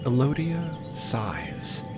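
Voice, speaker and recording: A man narrating a scripted fiction podcast as an expressive storyteller. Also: medium pitch, extremely slow, loud music behind the voice. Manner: expressive, present-tense storytelling.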